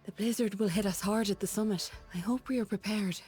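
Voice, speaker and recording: An actress playing a gentle, thoughtful female mage in a fantasy game, speaking in a reflective way. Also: mid-range voice, fairly even intonation, a little fast, faint music behind, natural voice. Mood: curious, uneasy.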